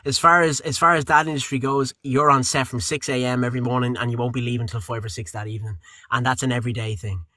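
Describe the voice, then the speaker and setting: Guy voice actor, rambly, lots of ums, bright tone, dead dry sound. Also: mid-range voice, quick pace, no echo. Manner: rambling, relaxed, with frequent fillers and restarts. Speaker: voice actor and audiobook narrator. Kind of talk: casual interview chat.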